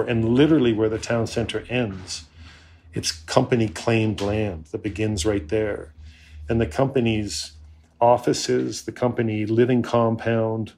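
Low-voiced man explaining a place. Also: a little mellow, slight background noise. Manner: descriptive, explanatory. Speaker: interviewee. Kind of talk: conversational interview.

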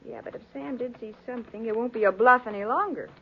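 Inquisitive detective's assistant, old radio. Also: female voice, fairly high pitch, fast, breathy edge. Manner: questioning, exclaiming. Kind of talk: 1940s radio crime drama acting. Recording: dull old radio recording.

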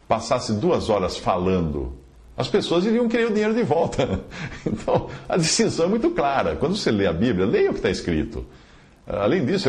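A man with a fairly low voice works through a listener's letter, quoting scripture and citing chapter numbers. His pitch rises and falls widely as he stresses his points. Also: darkish tone. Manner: emphatic, quotes scripture and chapter references. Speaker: Bible teacher answering a listener. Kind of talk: podcast commentary reading a listener's letter.

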